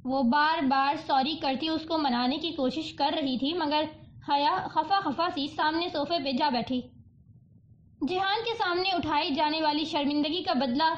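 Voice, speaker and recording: Woman reading a novel aloud, high voice, muffled lo-fi sound. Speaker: audiobook narrator. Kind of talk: scripted novel narration. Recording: dull lo-fi audiobook recording.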